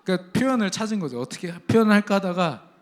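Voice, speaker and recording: A man's voice: high-pitched, expressive, quick pace. A man in his thirties or forties, a pastor preaching a sermon at a church service. He speaks emphatically, addresses the congregation directly and slips into chatty family stories. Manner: tells family anecdotes in a chatty way.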